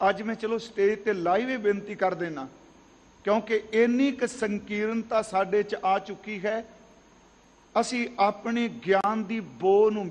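High-voiced man preaching in a reverberant hall. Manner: earnest, explanatory, asks rhetorical questions. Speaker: katha preacher. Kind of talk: Sikh katha sermon. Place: large gurdwara hall.

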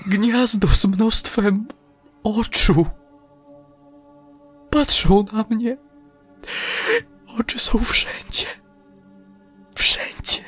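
A man voicing a terrified astronaut lost in space, halting, strained and breathy, in an audio horror story. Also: high-pitched, a bit bright, pitched above the performer's own voice, full character voice.

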